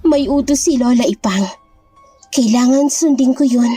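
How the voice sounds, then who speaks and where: A woman with a Filipino accent playing a young woman possessed by an aswang in a horror story, speaking flat and distant. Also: a little high, measured pace, breathy edge, no echo, faint music behind. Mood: cold.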